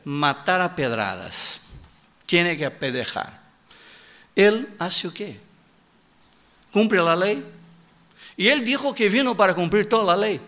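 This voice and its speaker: A male preacher whose native language is Portuguese delivers a sermon in halting Spanish peppered with Portuguese words. His voice sits high and sounds sharp, and he is very animated, emphatically repeating his key line and acting out the quoted voices.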